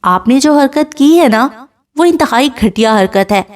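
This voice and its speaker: A woman's voice: high-pitched, expressive, pitched above the performer's own voice. Woman voicing a furious, defiant young wife. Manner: sharp, angry retorts. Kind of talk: dramatic novel reading.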